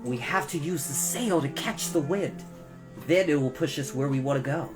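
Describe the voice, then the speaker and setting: A woman acts out an earnest, bookish young boy from a storybook, low in pitch. He calls out instructions urgently, as if over a storm. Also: moderate pace, music in the background, natural voice.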